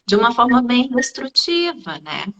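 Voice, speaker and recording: Lively woman, musing aloud. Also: a little high, normal speed. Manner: reflective, leans on "né" tag questions. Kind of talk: casual conversation on a live stream.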